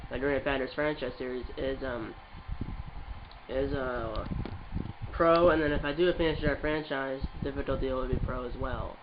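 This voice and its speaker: A man with a stuffed-up voice commentating his football video game in a casual, rambling way, calling the plays as they happen. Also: mid-range voice. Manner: rambling, with restarts and play-by-play calls. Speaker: gaming channel host. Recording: muffled with background noise.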